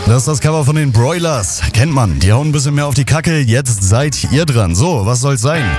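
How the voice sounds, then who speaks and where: A hoarse man hosting an afternoon radio show, chatting casually and directly with his listeners. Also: mid-range voice, lively intonation, moderate pace. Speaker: radio host. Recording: over loud background music.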